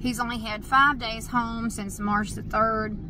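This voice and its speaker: A woman speaks in a monotone, flat way at a fairly slow pace. There is noticeable background noise, and the sound is dry with no echo. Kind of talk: casual vlog chat. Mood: wistful, reflective. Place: car. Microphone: phone near.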